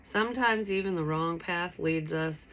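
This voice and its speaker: A woman's voice: lowish voice, measured pace, fairly bright tone, rough recording. A woman giving a casual tarot reading to her viewers, sounding stuffy and nasal from allergies, rambling with lots of fillers. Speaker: tarot reader.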